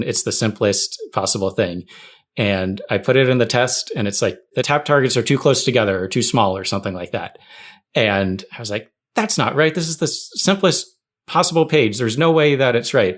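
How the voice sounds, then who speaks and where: A man co-hosting a podcast, chatting casually and telling anecdotes as a storyteller who quotes himself. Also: mid-range voice. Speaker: podcast host.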